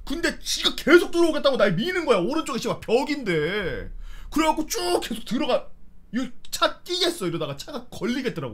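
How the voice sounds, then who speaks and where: Animated, cursing storytelling man. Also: extremely high pitch. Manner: animated, swearing, acts out scenes with sound effects. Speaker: streamer telling stories. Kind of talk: casual storytelling and reading viewer stories.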